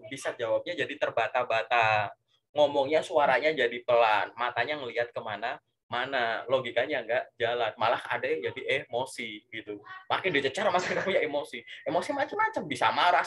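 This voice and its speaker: A man giving casual career coaching, animated and full of rhetorical questions and filler tags. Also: on the high side.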